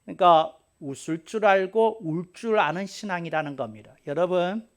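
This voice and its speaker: A man preaching a sermon as pastor, playful and lively, with laughs and acted asides. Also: sits high, normal speed.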